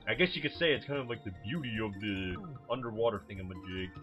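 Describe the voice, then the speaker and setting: Guy doing a casual let's play, rambles a bit, pitch jumps around, muffled mic w game music behind. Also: animated, quick pace. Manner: rambling, informal, swears. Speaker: video game let's player. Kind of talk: casual gameplay commentary. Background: video game music.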